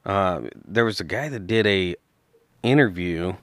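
Deep voiced podcast cohost, jokey and teasing, dry mic. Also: male voice, animated, a little slow, no echo. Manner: joking, teasing banter. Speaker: podcast co-host. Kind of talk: casual chat about stocks.

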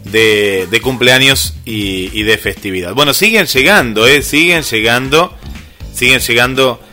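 A man, a radio host quickly sending greetings to listeners. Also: mid-range voice, bright, forceful tone, faint music behind. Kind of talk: radio presenting.

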